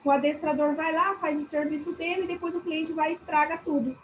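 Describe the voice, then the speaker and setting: A woman with a high voice and a Brazilian Portuguese accent teaches a class on customer service. She keeps it chatty, turns to her students often and acts out little scenes. Faint noise sits under the recording. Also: fairly even intonation, brisk, poor audio. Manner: chatty, addresses class as "gente", acts out examples.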